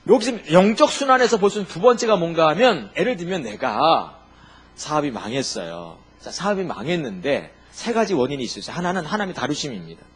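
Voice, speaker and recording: A male pastor delivers a sermon in a husky voice that sits a little high. His delivery is animated, with wide swings in pitch and sudden turns from loud emphasis to near-murmured asides. He keeps asking the congregation rhetorical questions. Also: fast talker. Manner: asks the congregation rhetorical questions, jokes and laughs.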